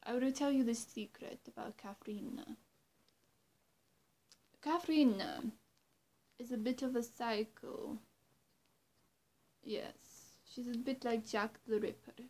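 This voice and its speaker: Young woman playing a slow, high-voiced coy vampire. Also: darkish tone. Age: young adult. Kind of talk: roleplay addressed to the listener. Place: small bright bedroom, indoors. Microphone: camera mic at arm's length or closer.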